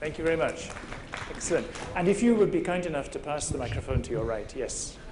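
A man with a British accent talks at a very fast pace and high pitch with lively intonation, breaking it up with long, frequent pauses over noticeable background noise. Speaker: session moderator, education director. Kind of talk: moderated panel discussion. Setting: stage with audience.

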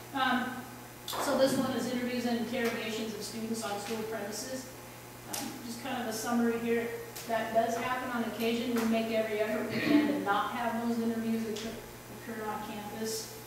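The voice carries strong room echo along with noticeable background noise. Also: moderate pace. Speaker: school administrator at board meeting. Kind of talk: board meeting presentation. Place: meeting room. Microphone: camera far.

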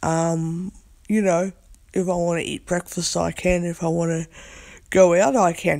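Her pitch is fairly low and her intonation monotone and flat. The woman speaks at a fairly slow pace, with long, frequent pauses. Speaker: vlogger. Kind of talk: casual chat. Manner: casual, rambling with fillers.

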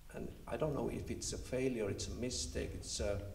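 Audible room echo surrounds a man speaking at a moderate pace, his fairly low voice showing vocal fry. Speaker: actor, director and acting teacher. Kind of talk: lecture and interview on stage.

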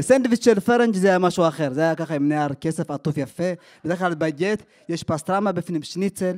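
Against a quiet background, the speech runs at a fairly quick pace. Pitch variation is ordinary. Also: man. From Ethiopia, raised in Safed, Israel; Ethiopia. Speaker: stand-up comedian. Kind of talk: stand-up. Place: stage. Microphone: handheld.

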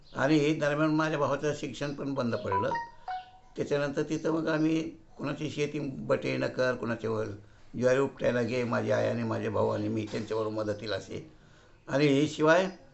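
Music sits in the background. The voice moves up and down in an ordinary way. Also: man, fairly high pitch for a man. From Marathwada, Maharashtra (Beed/Dharashiv area). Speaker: retired English professor. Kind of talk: life story testimony. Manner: halting.

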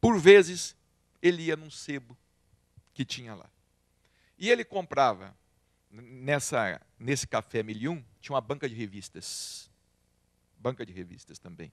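A man talks at a fairly slow pace with long, frequent pauses, his pitch swinging very widely and his loudness shifting a lot. The sound is dry with no echo over a quiet background. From Brazil, Minas Gerais (Uberaba); Minas Gerais, Brazil. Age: 50s. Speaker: author and spiritist medium; interviewee. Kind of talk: interview. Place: studio. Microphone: handheld.

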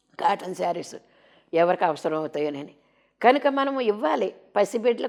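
Very wide swings in pitch from a woman, on a very clean recording against a silent background. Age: 70s. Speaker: woman preacher. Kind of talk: sermon.

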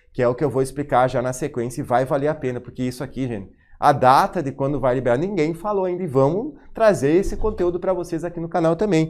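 A man with a southern Brazilian accent speaks at a very fast pace in a fairly high pitch. His tone is animated. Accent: gaúcho Brazilian Portuguese. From Rio Grande do Sul, Brazil. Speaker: finance YouTuber. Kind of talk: live stream explainer. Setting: studio. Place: studio.

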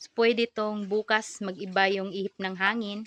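A woman at a medium pitch talks at a moderate pace, her intonation monotone and flat. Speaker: vlogger and backyard pig raiser. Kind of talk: casual vlog talk. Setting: outdoors beside pig pen.

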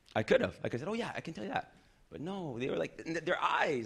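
A man with a Canadian Prairie accent. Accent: Canadian (prairies). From Saskatchewan. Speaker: political science professor. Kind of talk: panel discussion. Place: hall. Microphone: podium.

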